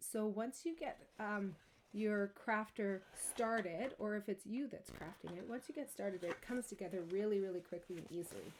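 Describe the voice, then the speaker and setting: A chatty woman in her thirties hosts a casual card-making demonstration with easy enthusiasm. Her voice sits at an ordinary middle pitch. A faint hiss runs underneath her speech. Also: a little mellow. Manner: chatty and enthusiastic, laughs easily. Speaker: craft demonstrator and stamping club host.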